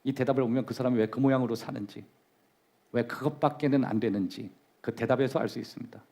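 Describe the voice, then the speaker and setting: A man's voice: mid-range voice, fairly even intonation, quick pace, dark tone. A male pastor preaching a sermon in a church, emphatic and leading the congregation in call-and-response. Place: church sanctuary.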